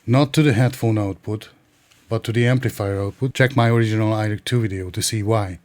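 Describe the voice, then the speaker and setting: A man's voice: on the low side, a little fast, darkish tone, dry recording. A man narrating an instructional tech tutorial in a methodical, precise, explanatory way. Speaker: tech reviewer and tutorial presenter.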